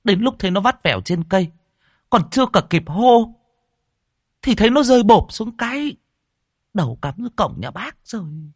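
A man's voice: high voice, very animated, moderate pace, pauses often, breathy edge, dry recording, studio quality, pitched above the performer's own voice, full character voice. A man voicing a chatty middle-aged village woman, telling in a raised, gossipy voice. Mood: excited recounting.

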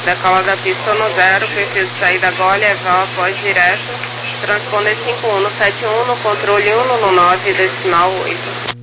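A woman air traffic controller reading clipped procedural clearances over a crackly, military-style radio. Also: medium pitch, fairly even intonation, moderate pace. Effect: radio transmission. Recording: very noisy crackly aviation radio.

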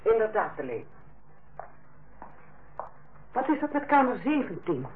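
An actress playing a stern, sarcastic head nurse who lectures and bites in a Dutch radio play. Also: female voice, a little high, big pitch swings, measured pace, slight background noise. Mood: stern, reproachful. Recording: muffled old radio play recording.

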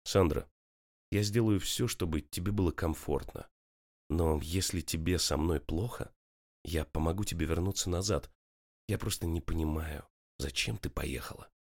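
A man voicing a young man who is hurt and angry, speaking low and quiet. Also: normal speed. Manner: low, quiet, clipped through teeth.

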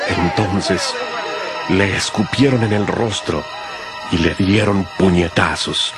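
A man with a low voice delivers solemn scripted narration for a dramatized Bible. Music plays clearly beneath his words. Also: takes it slowly. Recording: music behind the voice.

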